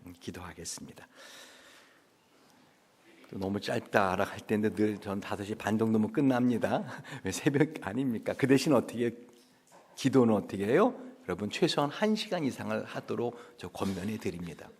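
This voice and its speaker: A man preaching a dawn revival sermon, animated and constantly asking the congregation questions. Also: moderate pace, slightly rough. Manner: animated, acts out quails and children in high voices. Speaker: pastor. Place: church sanctuary.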